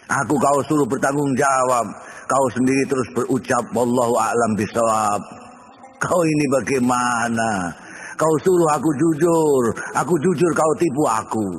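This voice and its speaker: Guy reading a protest poem on old radio, booming reverb, punches the repeated lines. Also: a little hiss or hum. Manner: emphatic, rhetorical, rising on repeated lines. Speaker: poetry reciter. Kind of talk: dramatic poetry recitation.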